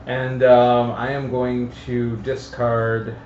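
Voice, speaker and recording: A man of medium pitch talks casually through board game rules, often stumbling and starting over. The recording is dull and echoey, with faint noise behind him. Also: monotone, darkish tone. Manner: halting, flustered delivery with repeated false starts. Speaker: host explaining game rules. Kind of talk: casual live tabletop stream chat. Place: echoey room with several mic stands. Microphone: stand mic.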